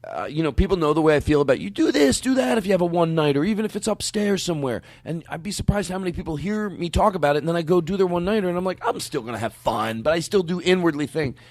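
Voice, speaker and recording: A man hosting a comedy podcast, loud and laughing, swearing as he banters with guests. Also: on the high side, lively intonation, quick pace, few pauses, no echo. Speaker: host.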